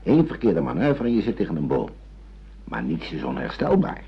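A man's voice: low-pitched, wildly swooping pitch, moderate pace, creaky, breathy edge, heavily acted. An actor playing a stern, patient old father who questions and lectures insistently in a radio drama. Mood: coaxing, firm. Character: stern, patient old father re-educating his grown son. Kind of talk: Dutch radio drama acting. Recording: dull, muffled radio play recording.

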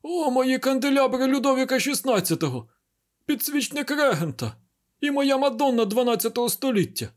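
A man voicing a frantic wealthy baron who has just been robbed, in a high, wailing, desperate voice. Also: sing-song, moderate pace. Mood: shrieking. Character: frantic wealthy old male baron collector.

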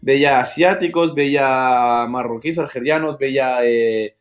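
A man's voice: medium pitch, a little slow, lo-fi sound. A young adult man with a Mexican accent, co-hosting a casual podcast chat, slangy and dropping English phrases. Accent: Mexican Spanish. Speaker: podcast co-host.

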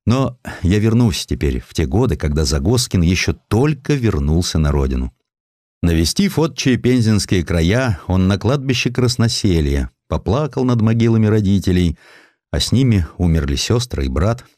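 A man reads history as dramatic audiobook narration. His voice is low and highly varied in melody, with deliberate theatrical pauses and a dry, close studio sound. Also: very animated, dark tone, no room sound.

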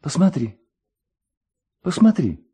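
A man voicing a shy, tender village girl in love, with a gentle, lilting delivery for a literary story. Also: fairly high pitch, big pitch swings, slow pace, breathy edge, voice pushed up, heavily acted. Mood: affectionate.

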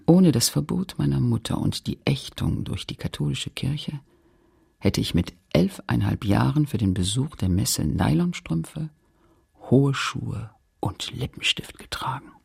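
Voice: mid-range voice, gravelly, darkish tone, slightly rough, exaggerated voice. An actor playing a woman who looks back on her Catholic girlhood in sober, literary radio-play narration, observant and introspective.

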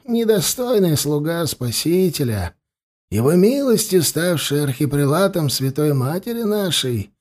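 A man voicing a smug, calm old high priest. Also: exaggerated voice. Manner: soft, insistent, measured and smug.

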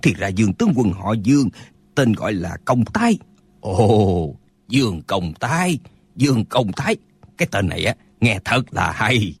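A man's voice: on the low side, very animated, normal speed, slightly rough, no echo, exaggerated voice. A man playing a pedantic old martial eccentric. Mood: stubborn, quibbling. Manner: bickering, stubbornly arguing word meanings.

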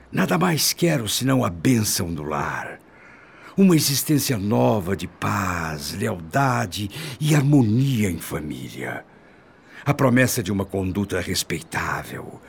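An aging, penitent Brazilian husband in a radio soap opera. His voice is very low and husky, and he pleads with solemn, melodramatic earnestness, rising and falling expressively. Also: full character voice. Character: repentant, earnest aging husband, newly pious.

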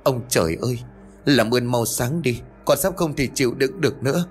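A man's voice: medium pitch, normal speed, soft background music, pitched above the performer's own voice, close to an everyday voice. A man voicing a frightened grown son who tries to soothe his mother in an anxious, urgent way. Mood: terrified.

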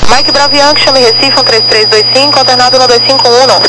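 A woman's voice: high-pitched, fairly even intonation, fast. A Brazilian woman controlling air traffic in clipped instructions over crackly, military-style radio. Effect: aviation radio transmission.

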